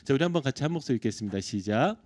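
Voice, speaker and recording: A man's voice: medium pitch, animated, rapid-fire, a little mellow. A middle-aged male pastor giving an expository sermon in a church, with emphatic delivery, putting questions to the congregation. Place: church sanctuary.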